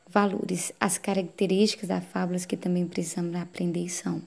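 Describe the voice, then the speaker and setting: A woman teaching adult learners in a recorded lesson, her voice mellow and low in brightness with a gravelly edge. She explains step by step, often pausing to ask if the class follows. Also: little pitch movement. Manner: explaining slowly with frequent "né?" tag questions.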